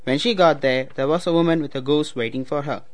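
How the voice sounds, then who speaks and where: A man's voice: on the high side, fast talker. A young adult man from Tamil Nadu with a South Indian accent and Tamil as his first language, speaking in an explanatory way. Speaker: student speaker. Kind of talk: read passage, then unscripted personal account.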